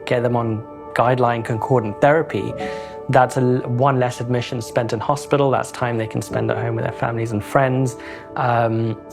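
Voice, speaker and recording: A man's voice: mid-range voice, little pitch movement, moderate pace, gravelly. A man speaking plainly and earnestly in a conversational testimonial interview. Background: music.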